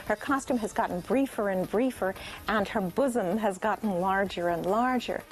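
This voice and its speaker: A woman in a documentary interview, talking in a brisk, emphatic way. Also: medium pitch, faint music behind, rough recording. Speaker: commentator on comics.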